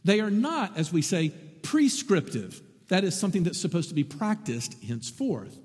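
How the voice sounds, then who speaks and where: A man preaching a sermon to his congregation, lively and animated, with wry asides. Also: sits high, normal speed, breathy edge, big-room sound. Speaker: pastor.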